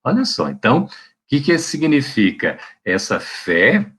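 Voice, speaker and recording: A man delivers a devotional talk over a video call, his voice slightly husky. His pitch swings widely as he preaches in a friendly, colloquial way, checking in with listeners. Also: huge pitch swings, measured pace. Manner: warm, colloquial preaching with frequent "né?" tags. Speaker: spiritist lecturer. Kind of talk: devotional talk to an online audience.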